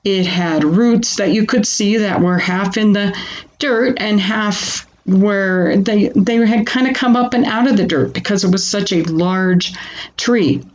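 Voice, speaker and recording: A woman calmly talking listeners through a grounding exercise in an informal, conversational way, using questions and personal asides. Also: medium pitch, a little slow, dull audio. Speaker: presenter of a self-help grounding exercise. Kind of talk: conversational self-help talk teaching a calming grounding exercise.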